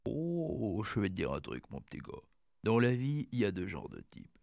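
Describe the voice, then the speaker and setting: Slangy menacing gangster, gravelly, dry close sound, comic answering machine skit. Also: male voice, fairly low pitch, huge pitch swings, moderate pace, darkish tone, dry recording, exaggerated voice. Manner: slangy, threatening, talking down. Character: menacing old-school French gangster, slangy tough guy.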